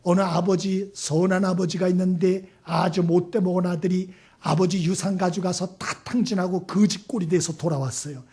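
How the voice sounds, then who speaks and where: Husky man preaching a sermon. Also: sits high, fairly even intonation, normal speed, few pauses, dark tone. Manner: asks the congregation questions, acts out quoted voices. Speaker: pastor.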